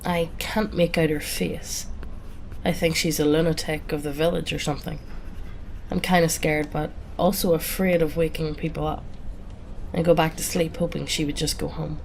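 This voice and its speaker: A woman with a cold reading a horror story aloud in a calm first-person voice. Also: deep voice, normal speed, creaky, a little hiss or hum, low-quality recording. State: has a cold. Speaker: narrator.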